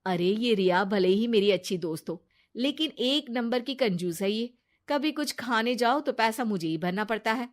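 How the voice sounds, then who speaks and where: A woman voicing a jealous, scheming friend in a cartoon story, forceful and self-serving. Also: a little high, animated, normal speed, lightly acted. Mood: pushy.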